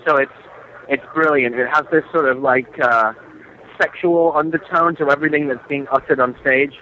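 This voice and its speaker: British man caller, bright sharp voice, crude deadpan humor. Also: on the high side, normal speed, muffled recording. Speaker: caller reporting from a theme park. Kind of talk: casual phone chat.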